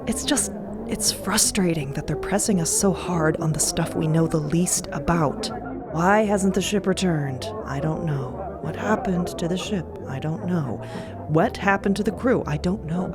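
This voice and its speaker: A woman's voice: on the low side, measured pace, lightly acted. A woman voicing a frustrated, worn-down botanist, venting in an audio drama. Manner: venting, exasperated. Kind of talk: audio drama character acting. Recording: loud music under the voice.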